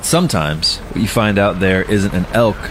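A man narrating a podcast trailer in a measured, ominous scripted style. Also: low voice, background noise. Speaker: podcast host.

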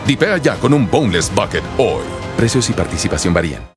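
A man narrates a commercial like a little story, his pitch swinging widely for dramatic effect. Music plays clearly behind him. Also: sing-song, a little fast. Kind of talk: scripted ad narration.

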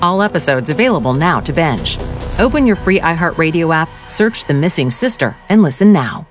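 A woman's voice: deep voice, sing-song, a little fast, music in the background. A woman reading a suspenseful, grave podcast trailer. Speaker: podcast ad narrator. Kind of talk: dramatic scripted ad narration.

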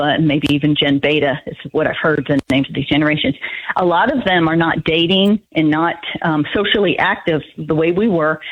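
A woman in her fifties telling a story as a caller, hesitant and halting, with many restarts. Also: sits low, narrow, tinny audio. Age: 50s. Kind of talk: casual storytelling.

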